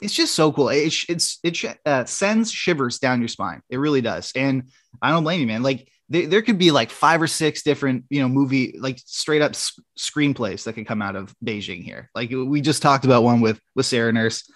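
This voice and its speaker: Stammering, excited male sports writer. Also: medium pitch, moderate pace, no room sound, studio quality. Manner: enthusiastic, many restarts and stammers. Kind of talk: casual sports chat.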